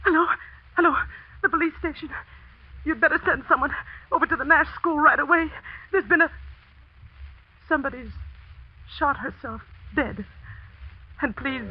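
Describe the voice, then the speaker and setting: A woman playing a frightened teacher who narrates her own ordeal in breathless first person, in 1940s radio drama style. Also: high-pitched. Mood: shaken. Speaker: narrator and lead character. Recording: muffled 1940s radio broadcast with music.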